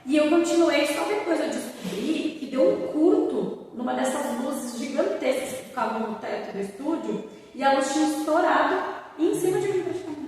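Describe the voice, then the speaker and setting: A high-voiced woman teacher tells stories in a relaxed interview chat, lively and quick to laugh. She sounds far from the mic in a very echoey room with a long reverb tail. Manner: lively storyteller, laughs easily.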